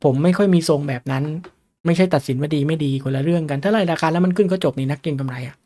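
A man's voice: on the high side, rapid-fire, dark tone. Chatty man teaching stock charts. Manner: chatty, asks the audience questions often. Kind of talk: casual lecture on stock charts.

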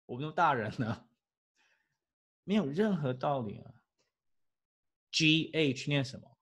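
A man, an English teacher giving a lively classroom lecture full of rhetorical questions and chuckles. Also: a little high, unhurried.

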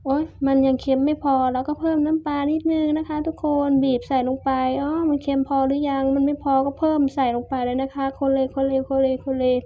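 A woman's voice: high voice, little pitch movement, fairly quick, few pauses. Chatty Isan woman vlogging a meal. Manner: chatty, addresses viewers as family, mixes dialect in. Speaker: cooking and eating vlogger. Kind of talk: casual cooking and eating vlog. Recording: dull, dry sound.

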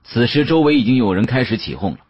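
A man narrating an audiobook as a dramatic storyteller, with an expressive, suspenseful delivery and a husky voice. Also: medium pitch, fast. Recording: dull, muffled audio.

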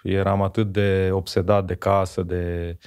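A former speed skater, a man in his forties from Miercurea Ciuc, Romania, joins a podcast as a guest and recalls things thoughtfully. His voice is low, clean and darkish with a flat delivery, and he habitually tags sentences with "you know?".

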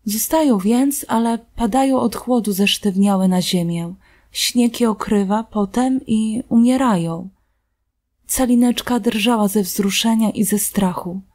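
A woman reading a fairy tale aloud in a calm, gentle narrating voice. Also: on the high side, unhurried. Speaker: storybook reader.

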